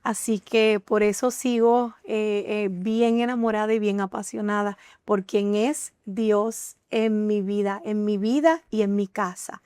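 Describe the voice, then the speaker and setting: A woman guest on a Christian TV talk show, telling her testimony in an earnest, emotional way with many pauses and fillers. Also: mid-range voice, fairly even intonation, darkish tone, smooth, no echo, studio quality. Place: TV studio.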